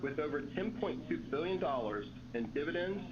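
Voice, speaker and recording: A man's voice: on the high side, lively intonation, fairly quick. A man reading scripted remarks as a company executive on an earnings call. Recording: dull lo-fi call audio, clear noise.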